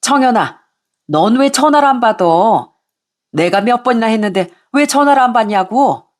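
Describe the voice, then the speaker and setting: A woman voicing an angry middle-aged mother-in-law who scolds and nags in a shrill voice. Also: lively intonation, natural voice. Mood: scolding. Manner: shrill, scolding, rapid nagging.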